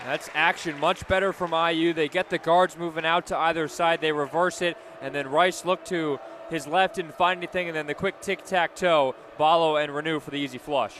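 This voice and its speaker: American male color commentator, slightly high voice. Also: fairly even intonation, normal speed, fairly bright tone. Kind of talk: live basketball radio analysis. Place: courtside at a basketball game. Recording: crowd and gym noise behind. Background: crowd, ambient gym noise.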